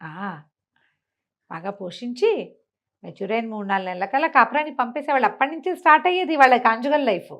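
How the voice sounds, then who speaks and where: A woman telling a village tale in a conversational way, animated and chatty with explaining asides. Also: a little high, fast. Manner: animated retelling, acting out characters' remarks, explaining asides to a co-host. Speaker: storyteller. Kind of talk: conversational oral storytelling of a village folk tale.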